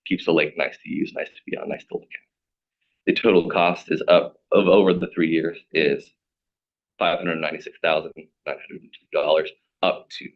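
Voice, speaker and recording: A man with a raspy voice giving a formal staff presentation as a program manager. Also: rumbling low, flat delivery, normal speed. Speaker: city stormwater program manager. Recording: dull, band-limited meeting audio.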